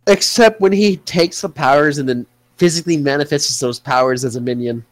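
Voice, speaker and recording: A young man hosting a casual chat, rambling excitedly and swearing freely. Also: a little high, a little fast, dry recording.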